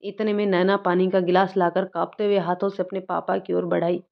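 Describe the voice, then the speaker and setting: A woman hosting a story channel, reading the narration in a steady storybook manner. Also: on the low side, a little fast, vocal fry. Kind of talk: scripted narration. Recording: dull lo-fi recording.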